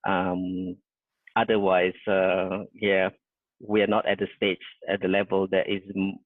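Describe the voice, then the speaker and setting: Man, from Indonesia, low voice, halting, modest, tinny phone-like sound. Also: monotone, no echo. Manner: halting, many fillers and restarts, modest. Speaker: guest business owner. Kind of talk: casual interview answers.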